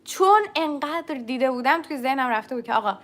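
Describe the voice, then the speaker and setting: A woman runs a live English lesson in a high, bright voice. She explains pronunciation step by step and demonstrates each sound herself. Now and then she stops to answer viewers' questions from the chat. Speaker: English teacher. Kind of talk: live-streamed language lesson.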